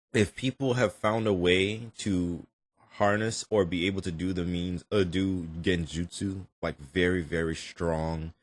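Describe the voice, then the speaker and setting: A man hosting a reaction video, commenting casually in an animated, rambling and emphatic way. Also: deep voice.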